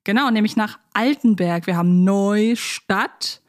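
A woman's voice: medium pitch, unhurried. A woman hosting a podcast, talking casually in a chatty, thoughtful way as she explains her views on children's audio dramas. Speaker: podcast host.

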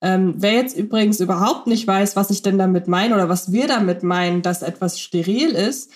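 A woman talks in a medium-pitched voice. She co-hosts a podcast in a conversational style, reflecting and thinking aloud as she goes. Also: normal speed. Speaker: podcast co-host.

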